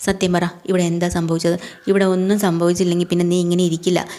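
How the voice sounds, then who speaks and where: A woman's voice: lowish voice, level tone, fast, mellow, natural voice. A woman reading the lines of a worried, stern middle-aged family man in a serial recap, pressing questions in a plain voice. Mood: demanding.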